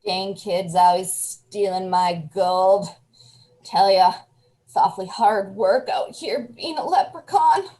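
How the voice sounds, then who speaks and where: A woman's voice: medium pitch, slow, warm tone, natural voice, rough recording. A woman improvising as a weary female leprechaun, grumbling in a folksy way on a theater stage. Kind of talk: improv comedy scene.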